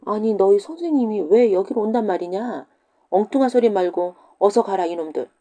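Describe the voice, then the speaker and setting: A woman voicing an angry middle-aged widow who scolds and shouts at mischievous children, in a folktale audiobook. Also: medium pitch, lively intonation, fairly quick, lightly acted. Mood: scolding.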